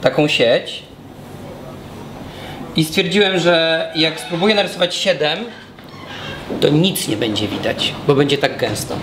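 A man's voice: on the high side, measured pace, long pauses. A man in his thirties giving a talk at a whiteboard, explaining step by step while he draws, often restarting his words, recorded by a far camera in a small brick room. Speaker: guest speaker. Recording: echoey room from far off, noisy.

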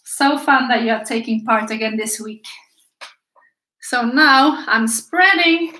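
A woman's voice: fairly high pitch, takes it slowly, pushed and bright. A woman in her thirties with a Swedish accent, chatting to viewers as she leads a live paint-along lesson. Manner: chatty, encouraging, talks to viewers while painting. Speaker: art teacher. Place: small indoor room by an easel. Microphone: camera a few feet away, turns away at times. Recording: echoey room.

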